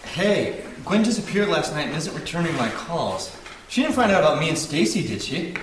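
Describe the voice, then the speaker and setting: A man playing an excitable, self-pitying young man in an animated sitcom read, whiny and melodramatic. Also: on the high side, normal speed. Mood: anxious. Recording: distant, very echoey, noisy room.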